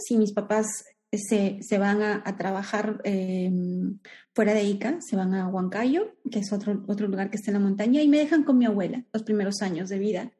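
A woman's voice: medium pitch, warm tone. A Peruvian woman in her forties, a guest in an interview, talking reflectively with many restarts and fillers. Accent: Peruvian Spanish. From Peru. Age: 40s. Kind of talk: conversational interview.

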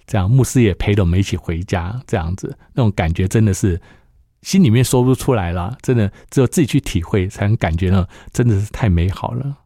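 Middle-aged man, mellow tone, dry close recording, personal testimony told as a story with acted-out dialogue. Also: lowish voice, fairly quick, dry recording. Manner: storytelling that acts out the dialogue of others. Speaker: church member giving testimony.

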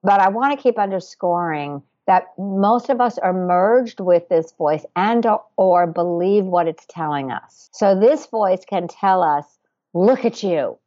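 A woman who teaches workshops, answering interview questions in a deliberate, emphatic way with repetition. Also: on the low side, mellow, lo-fi sound.

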